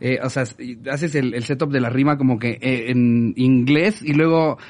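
A man's voice: medium pitch, steady tone, normal speed, darkish tone. A man hosting a casual chat, hesitant and stumbling over his words. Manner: hesitant, many fillers and repeats. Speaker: podcast host.

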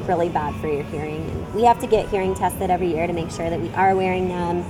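A woman in casual conversation, describing her work at a loud pool club in a relaxed, chatty way. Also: on the low side, fast, over music. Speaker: pool club worker, guest. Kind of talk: casual chat.

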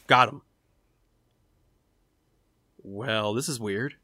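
A young man in a scripted audio drama, speaking with dry, wary deadpan. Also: medium pitch, extremely slow, no room sound, heavily acted.

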